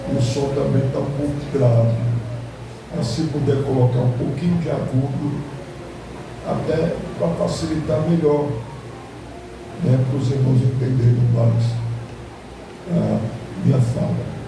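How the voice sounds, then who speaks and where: A man at medium pitch, very slow, with fairly even intonation and long, frequent pauses, amid audible room echo and noticeable background noise. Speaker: pastor. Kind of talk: sermon. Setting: church. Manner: measured cadence.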